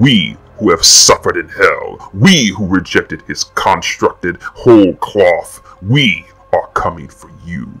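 Over faint background music, a man uses a put-on character voice at a fairly slow pace. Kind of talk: villain monologue. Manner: proud, menacing, declamatory.

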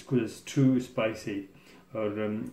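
The intonation is fairly even and the pace fairly slow. Room echo is audible. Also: man. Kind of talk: tutorial. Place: kitchen.

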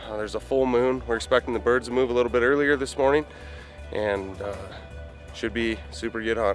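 Faint music sits in the background. Over it, a man talks at a fairly quick pace. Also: dry sound with no echo. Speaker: hunting outfitter guide. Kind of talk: interview answer. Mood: calm, expectant. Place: open country.

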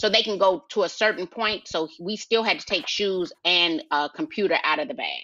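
Here is a woman with an ordinary speaking voice, medium in pitch and lively in intonation. She keeps a moderate pace with hardly any pauses, over light background noise. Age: 50s. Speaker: real estate keynote speaker and author. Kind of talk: casual live stream discussion. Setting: remote video link from vacation. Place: home room. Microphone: video call.

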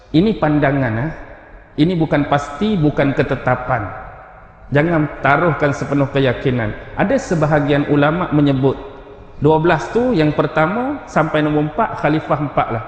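With noticeable background noise and audible room echo, a man with a fairly high pitch speaks with ordinary pitch variation. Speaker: Islamic preacher. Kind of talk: religious lecture. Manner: animated.

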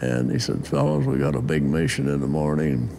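Light background noise runs through the clip. The speaker is a man. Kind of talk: interview answer. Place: hall. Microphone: lapel.

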